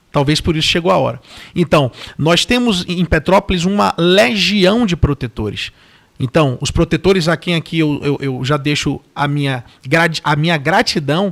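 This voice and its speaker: Lively intonation from a man with a northeastern Brazilian accent, fairly high-pitched, at a moderate pace, in a dry, close sound with no echo. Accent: Brazilian northeastern (Bahian). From Brazil, Northeast (Salvador, Bahia). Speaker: police forensic expert. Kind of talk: interview. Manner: halting, repeats words.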